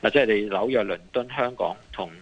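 Gravelly, hesitant Hong Kong male analyst. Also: fairly low pitch, brisk, no room sound, highs cut off. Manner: hesitant, repeating phrases, mixes in English terms. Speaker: financial analyst guest. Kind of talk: live market commentary.

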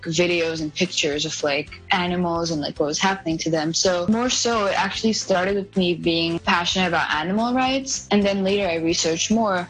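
A woman's voice: lowish voice, rough recording. A woman in her late teens from India, answering interview questions in a casual, chatty way with lots of "like" fillers. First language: an Indian language other than Hindi. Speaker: guest.

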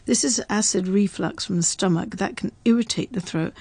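A woman's voice: mid-range voice, normal speed, darkish tone, husky, no room sound. A woman in casual chat, explaining facts as a radio presenter and laughing often. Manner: chatty, reads facts aloud, laughs often.

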